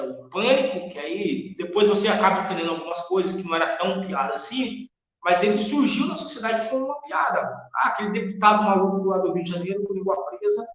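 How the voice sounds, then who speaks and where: A man's voice: sits high, fairly bright tone. A Brazilian man speaking as an interview guest in a podcast political discussion, earnest, opinionated and emphatic. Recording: very echoey, reverberant room, dull muffled sound.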